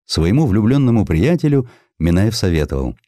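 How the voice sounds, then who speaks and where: A man narrating a historical literary essay from a script in an expressive, theatrical manner. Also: lowish voice, moderate pace, no echo, studio quality. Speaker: audiobook narrator.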